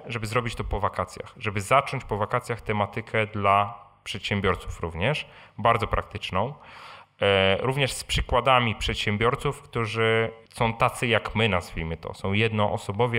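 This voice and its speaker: A man with a lowish, bright voice and a forceful tone hosts a live personal finance Q&A before an audience. He answers informally, repeating words and often ending with short tag questions.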